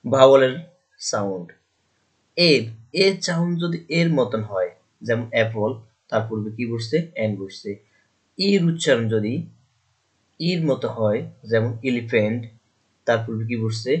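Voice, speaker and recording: Man, grammar teacher, asks and answers his own questions, mid pitch. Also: expressive, measured pace, long pauses. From Bangladesh. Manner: asks questions and answers them himself, repeats key points. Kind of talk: classroom grammar lesson.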